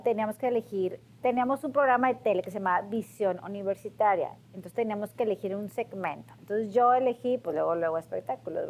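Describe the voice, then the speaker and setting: A Mexican woman in her forties, casually telling her own story to camera and acting out quotes in a raised voice. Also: mid-range voice. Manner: lively, acts out quotes in a raised voice.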